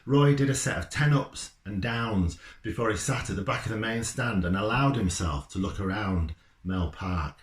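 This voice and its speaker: A man's voice: fairly low pitch, normal speed. A man who writes children's books, talking informally and reading a story aloud. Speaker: children's football author. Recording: roomy, echoey indoor sound.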